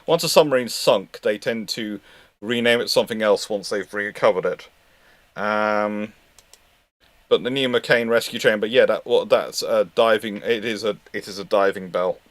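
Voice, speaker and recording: A man with a fairly low voice and a dry, close sound. He talks informally as a history host fielding questions. His delivery is discursive and halting, as if working out each answer as he goes. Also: no room sound. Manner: halting, discursive, thinking aloud.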